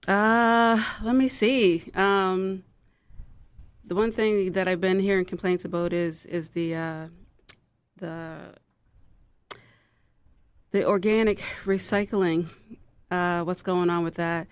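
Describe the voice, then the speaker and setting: Guest, woman, lowish smooth voice, friendly and casual. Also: fairly even intonation, slow, long pauses, no echo. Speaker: city councillor. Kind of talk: radio interview guest. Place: radio studio.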